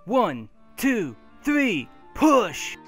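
A woman voicing a calm, dry-witted hospital doctor in a fan radio play. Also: on the high side, very slow, music in the background, heavily acted.

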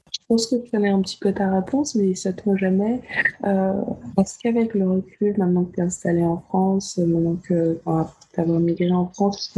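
A thirty-year-old woman hosting a podcast, interviewing in a reflective, conversational way with a husky voice. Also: lowish voice, dark tone. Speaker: podcast host. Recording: slightly dull lo-fi sound.

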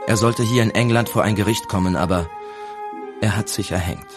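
A man reading the part of a grave, kindly abbot in an audiobook, speaking in a gentle, measured, solemn way. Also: lowish voice, music in the background, lightly acted. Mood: somber.

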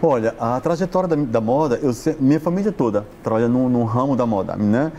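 A man's voice: mid-range voice, animated, a little fast, mellow, lo-fi sound, a little hiss or hum. A man in his forties, a fashion stylist guest, chatting on a TV studio set with a lapel mic, talking with his hands and tagging his sentences with questions. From Brazil. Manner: chatty, gesturing, frequent tag questions. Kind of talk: casual interview chat. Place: TV studio set, seated on sofa.

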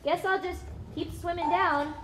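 A woman's voice: very high voice, normal speed, background noise. A woman voicing a curious, hungry young sperm whale in a live puppet show. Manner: wide-eyed, chatty and excitable.

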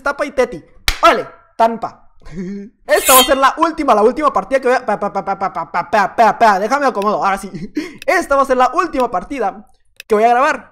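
A man's voice: very high voice, fairly bright tone, a little hiss or hum. A man with a Mexican accent giving playful, joking gameplay commentary as a youtuber, laughing often. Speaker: youtuber gamer.

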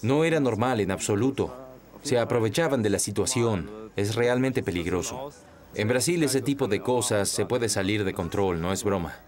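A man's voice: fairly low pitch, expressive, moderate pace, crowd noise. A man speaking as a backpacker, earnest and serious.

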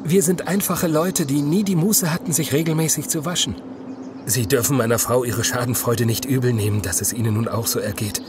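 A man playing a falsely courteous, menacing vagrant in a horror audio drama, speaking in a measured, mock-polite way. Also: medium pitch, a crowd in the background, natural voice. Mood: smooth, condescending.

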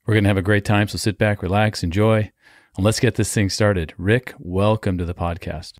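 A man's voice: on the low side, fairly even intonation, normal speed, no room sound, clean studio sound. A man hosting a podcast interview, friendly and upbeat, recorded at a conference. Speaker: podcast host. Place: hallway at a conference.

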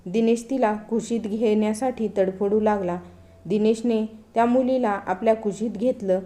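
Woman storyteller, mellow tone, steady earnest narration. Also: mid-range voice, measured pace.

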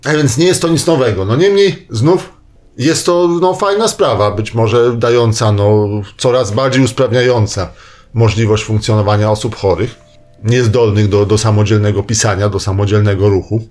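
A man's voice: on the low side, normal speed, darkish tone. A man delivering a semi-improvised popular-science column for radio, discursive and hedging, with frequent tag questions.

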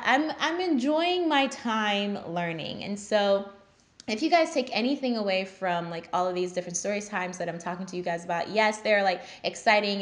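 A young woman from Trinidad with a Trinidadian accent, telling a story straight to camera in a small room, animated and full of ums and likes. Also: medium pitch. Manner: animated, gestures a lot, many ums and likes. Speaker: physician assistant vlogger. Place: small indoor room, plain grey backdrop.

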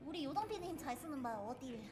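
A woman streamer giving live gameplay commentary, excitably and playfully shouting threats at the game, with game music behind her. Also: high-pitched, fast talker. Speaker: VTuber streamer.

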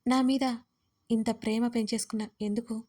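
A remorseful young woman pours out her feelings in soft, tearful tones, read by a female storyteller. Her voice sits fairly high. It keeps a narrow, steady melody. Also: moderate pace, lightly acted. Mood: heartfelt. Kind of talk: audio story reading.

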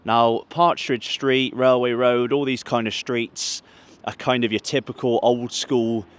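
A man's voice: mid-range voice, flat delivery, a little slow. Chatty man vlogging outdoors. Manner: chatty, addresses viewers as guys. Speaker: football travel vlogger. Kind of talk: walking vlog commentary. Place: outdoors on city streets. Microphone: handheld mic, camera at arm's length.

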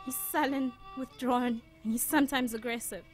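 A woman's voice: high-pitched, steady tone, moderate pace, soft background music, close to an everyday voice. A woman playing a troubled, protective young elder sister in an audio drama, earnest, hesitant but determined. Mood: indignant.

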